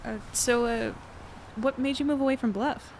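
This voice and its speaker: A woman's voice: a little high, fairly even intonation, normal speed, darkish tone, a little hiss or hum, natural voice, rough recording. An actress playing a caring, curious young woman chatting with friends in an audio drama, casual and a little hesitant. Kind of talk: acted dialogue in an audio drama podcast.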